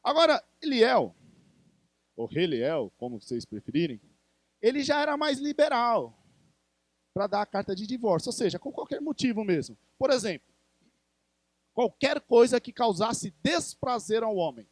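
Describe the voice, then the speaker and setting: A man's voice: high-pitched, very animated, normal speed, pauses often, no room sound. A male pastor with a Brazilian Portuguese accent, preaching a conversational sermon in church and putting questions to the congregation.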